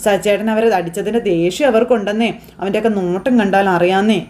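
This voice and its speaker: A woman's voice: medium pitch, steady tone, fast talker, darkish tone, natural voice. A woman doing an anxious young wife. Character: Revathi, a worried young wife.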